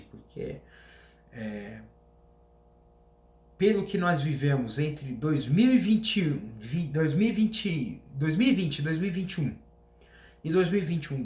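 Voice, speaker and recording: A man's voice: a little high, darkish tone, reverberant. A Brazilian man hosting a casual solo talk, rambling with restarts, a slight cough. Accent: Brazilian Portuguese. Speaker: podcast host.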